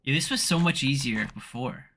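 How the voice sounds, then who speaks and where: A man's voice: mid-range voice, brisk, background noise. A man co-hosting and playing a video game, giving casual, sweary commentary. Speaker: gaming co-host playing the game.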